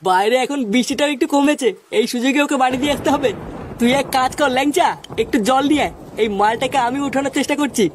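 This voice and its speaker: A woman's voice: high-pitched, fast talker, slight background noise, natural voice. A woman voicing a bossy, practical male friend in a comedy cartoon, with slangy, insistent talk. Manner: giving orders, coaxing, slangy.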